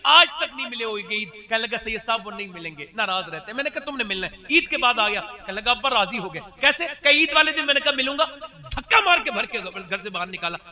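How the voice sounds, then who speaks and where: A man preaching an emotional storytelling sermon, acting out the voices of the people in his stories and calling out loud pious exclamations. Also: very high voice, animated, fast talker. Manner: acts out quoted speakers in dialogue; swells loudly on pious exclamations. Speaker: Muslim preacher.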